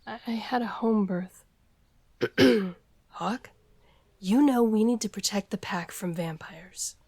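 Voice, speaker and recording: Brief: female actor as a guarded, slow-spoken werewolf woman. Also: mid-range voice, a little mellow, slightly rough, no room sound. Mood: wary. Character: grieving female werewolf, wary and defensive. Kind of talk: fan audio drama acting.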